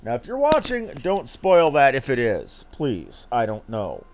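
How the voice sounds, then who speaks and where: A man's voice: medium pitch, huge pitch swings, measured pace. A man giving casual, informal livestream commentary as he plays a game, with joking and some swearing. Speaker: game streamer.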